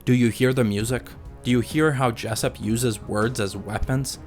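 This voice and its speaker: A man narrating a scripted video essay in a measured, analytical way. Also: mid-range voice, steady tone, faint music behind.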